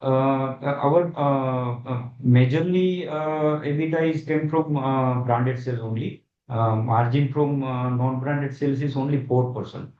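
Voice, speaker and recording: Male company executive, Indian accent, halting delivery full of long hesitations, on a muffled conference call with clear room echo. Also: medium pitch. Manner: halting, hesitant, with very frequent long filled pauses. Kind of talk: answering analyst questions on a conference call. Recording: dull, echoey conference call audio.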